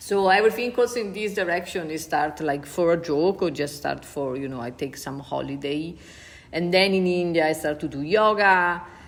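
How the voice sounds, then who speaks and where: With an Italian accent, a woman speaks at a moderate pace in a fairly low pitch, her pitch varying in an ordinary way. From Italy. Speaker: kundalini yoga teacher. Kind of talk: interview storytelling. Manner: halting, with fillers.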